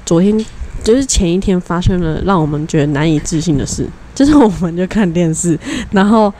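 A woman's voice: lowish voice, brisk, slight background noise. Young woman telling a story. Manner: animated storytelling, acts out quoted dialogue. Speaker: podcast co-host. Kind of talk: casual storytelling chat.

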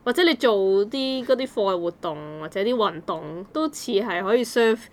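A woman's voice: mid-range voice, animated, moderate pace. A woman with a Hong Kong Cantonese accent co-hosting a casual discussion, reasoning aloud with playful examples.

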